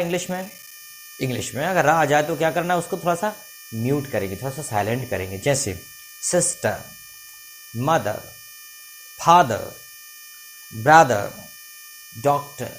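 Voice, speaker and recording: Guy teaching english pronunciation, higher voice, reads word lists slow, keeps asking "understand?", faint hiss behind. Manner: drills word lists slowly, asks "understand?" often. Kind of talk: classroom-style lesson for students.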